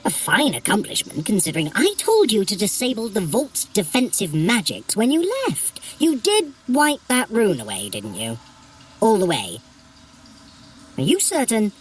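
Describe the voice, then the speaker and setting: A woman's voice: medium pitch, very animated, moderate pace, slight background noise, close to an everyday voice. A woman playing a haughty, sardonic trickster god in an audio adventure, theatrical and condescending, with flustered hesitations. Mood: exasperated, scornful. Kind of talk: scripted audio adventure acting.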